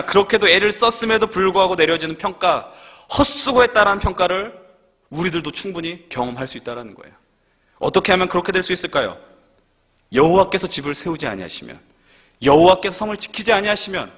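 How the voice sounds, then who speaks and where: Lively, quick-talking young male pastor. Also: sits high, husky. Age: young adult. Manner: rhetorical questions to the congregation. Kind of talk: sermon. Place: church sanctuary.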